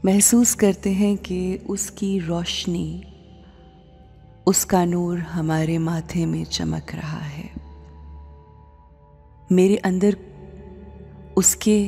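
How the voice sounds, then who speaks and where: A woman leading a devotional guided meditation, speaking in measured short phrases with pauses and an often hushed, breathy delivery. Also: lowish voice. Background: background music.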